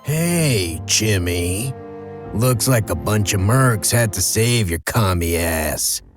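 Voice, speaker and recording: Low, slow, sneering army major. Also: male voice, animated, soft background music. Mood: taunting. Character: mocking, menacing male army major, a cocky villain. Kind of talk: scripted game dialogue.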